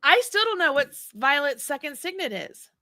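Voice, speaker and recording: Bright, forceful woman chatting, close and dry. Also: high voice, very animated, normal speed, no echo. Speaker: co-host of a book read-along livestream. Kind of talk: casual chat, reacting to co-host.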